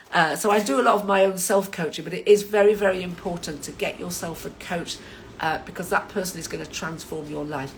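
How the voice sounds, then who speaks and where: Someone talks at a fairly quick pace with ordinary pitch variation over noticeable background noise. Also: woman, medium pitch for a woman. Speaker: life coach and livestream host. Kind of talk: casual live stream chat. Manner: hesitant, many fillers.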